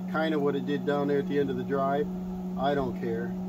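A man speaks over loud background noise. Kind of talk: casual vlog commentary. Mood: self-deprecating, joking. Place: open country.

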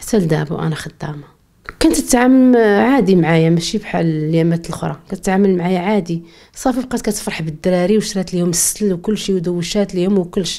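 The voice belongs to a woman with a dark, mellow tone. She talks at a fairly quick pace. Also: ordinary pitch variation, quiet background. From Morocco, Taza; Morocco. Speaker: former domestic worker. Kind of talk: testimony. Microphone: handheld.

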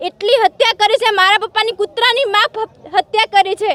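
A woman with an extremely high pitch and fairly even intonation is heard in a dry, close sound with no echo. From Gujarat, India (Banaskantha). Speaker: victim's daughter. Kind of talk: news interview statement. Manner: impassioned.

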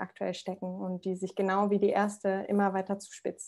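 Over a quiet background, a woman speaks at a moderate pace with a medium pitch, a dark, mellow tone and monotone, flat intonation. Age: 20s. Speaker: climate activist; speaker. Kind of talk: prepared speech. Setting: video call. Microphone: earbuds.

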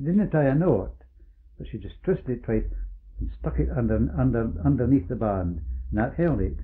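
Very wide pitch swings from a man talking at a moderate pace. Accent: Scottish. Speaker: retired farmer. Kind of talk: interview answer.

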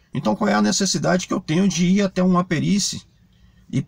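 Over a quiet background, a man with a high pitch talks fairly quickly with lively intonation. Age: 50s. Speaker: retired bus driver, wheelchair user. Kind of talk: testimony. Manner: halting. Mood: earnest, concerned. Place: car. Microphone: phone near.

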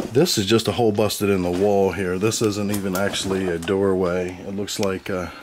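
There is light background noise behind a man's fairly low voice. He speaks at a moderate pace. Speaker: urban explorer vlogger. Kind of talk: casual vlog commentary. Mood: amazed, calm.

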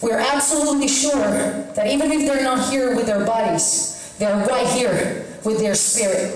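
Her voice is high and her loudness very even as this woman speaks at a fairly slow pace with ordinary pitch variation. Strong room echo surrounds it. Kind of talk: stage talk to audience. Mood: solemn, heartfelt. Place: hall.

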